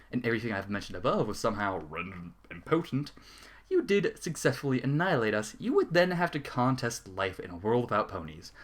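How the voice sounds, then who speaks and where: A man giving a dramatic, formal reading of a fan fiction letter as narrator, with the odd stumble. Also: mid-range voice.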